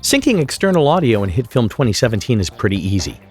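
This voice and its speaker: A middle-aged man giving scripted tutorial narration in a deliberate, emphatic way. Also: medium pitch, sing-song, darkish tone, soft background music. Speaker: software tutorial instructor.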